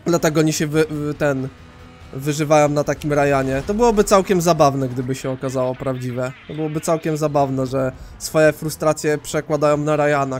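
Man from Poland, high voice, let's play commentary, excitable, rambling, faint music behind. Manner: excitable, rambling, swears casually.

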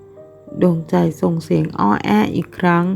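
A woman narrating a romance audio novel in a steady, unhurried storytelling voice. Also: soft background music.

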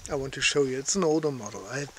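A man, reviewing his outdoor gear in a casual, halting way with many fillers, filmed outdoors by a lakeshore on a camera held at arm's length. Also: medium pitch, a bit bright. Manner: halting, many fillers, simple non-native phrasing. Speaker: outdoor channel host. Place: outdoors on a lakeshore in light rain. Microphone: handheld camera at arm's length. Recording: faint rain and outdoor noise.

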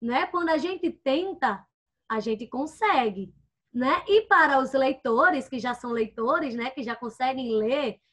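A first-grade teacher with a high-pitched, expressive voice runs an online class for small children through a computer microphone while wearing headphones. Patient and warmly coaxing, she checks in constantly and sounds out syllables slowly.

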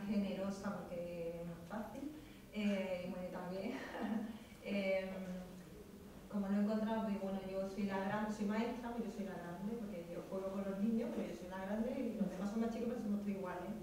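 A woman's voice: mid-range voice, steady tone, normal speed. Brief: chatty teacher, woman, heard from across a reverberant room with background noise. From Málaga, Spain. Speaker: rural schoolteacher. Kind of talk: self-introduction in a seminar. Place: seminar room, seated in a circle. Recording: echoey room from far off.

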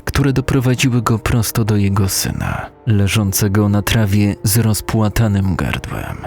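A man reading a scripted horror story as a narrator, close to a studio microphone. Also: lowish voice. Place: recording studio.

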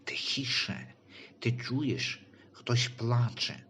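A man's voice: medium pitch, measured pace, slight background noise, natural voice. A man voicing a childless wife who insists urgently in a Christian audio story.

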